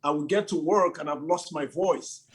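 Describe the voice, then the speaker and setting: Speaking at a moderate pace in a fairly high voice, this middle-aged church leader from Nigeria tells his story enthusiastically in interview answers. He keeps tossing in "you know" and laughs frequently.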